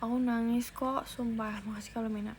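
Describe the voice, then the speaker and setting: A young woman talks casually into her phone on a livestream. She is chatty and often restarts her sentences. Her voice sits fairly high, and faint noise runs under the recording. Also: flat delivery, brisk, darkish tone. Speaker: idol livestreamer.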